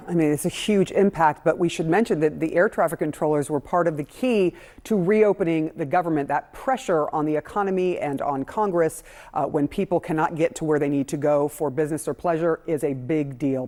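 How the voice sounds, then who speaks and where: A woman's voice: low-pitched, a little fast, warm tone. A woman anchoring live TV news, commenting on a story and handing over.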